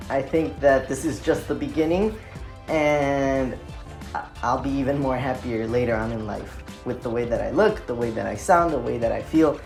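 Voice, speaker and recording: A young trans man talking casually and reflectively in a vlog update, with many "like" and "um" fillers. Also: fairly high pitch. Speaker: vlogger.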